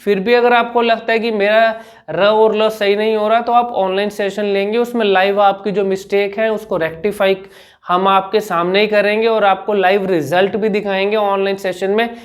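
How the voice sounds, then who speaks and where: A man, a speech coach giving an instructional vlog, patiently explaining and demonstrating sounds by repeating syllables slowly. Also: high-pitched, flat delivery. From India.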